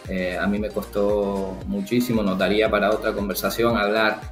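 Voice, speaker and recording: A man from the Canary Islands with a Canarian Spanish accent, a football agent answering interview questions in a thoughtful, halting way with many fillers. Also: fairly low pitch, little pitch movement. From Canary Islands, Spain. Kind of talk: interview guest, casual conversation. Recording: roomy echo with faint background music.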